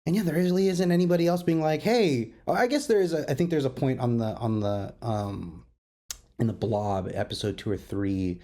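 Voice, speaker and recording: A man with a mid-pitched voice in a casual roundtable discussion. He thinks aloud, restarting and doubling words as he works through an idea. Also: warm tone. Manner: halting, repeats words while thinking aloud. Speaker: podcast panel interviewer.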